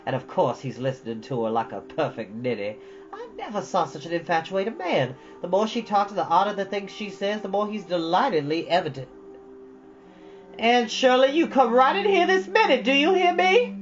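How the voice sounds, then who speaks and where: A man's voice: sits high, animated, moderate pace, muffled recording, soft background music, pitched above the performer's own voice. A man voicing a stern, exasperated older woman who scolds in an emphatic, folksy way, in a storybook reading. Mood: sharply calling out.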